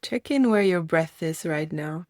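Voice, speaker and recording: A woman leads a guided meditation in a slightly low voice. She phrases things as gentle invitations and leaves reflective pauses between them. The sound is very dry, with no room around it. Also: expressive, no room sound.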